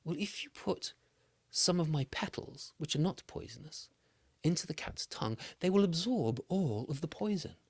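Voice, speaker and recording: Soft-spoken wise plant, a man putting it on, dry and close. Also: on the high side, expressive, moderate pace, vocal fry, breathy edge, no room sound, voice pushed up, full character voice. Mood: calm. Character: wise, calm poison plant.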